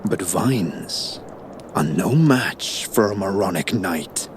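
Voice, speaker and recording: A man playing a silky, sinister storyteller, narrating a hypnotic dark fairy tale with theatrical, lingering words. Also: deep voice, animated, slow pace, slight background noise. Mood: scornful, ominous. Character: sinister, silky storyteller lulling a traveler to sleep. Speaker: bedtime storyteller.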